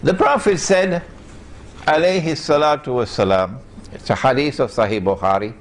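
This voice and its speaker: A man's voice: medium pitch, moderate pace. A man from Trinidad and Tobago, giving a public lecture in an emphatic way and putting rhetorical questions to his audience.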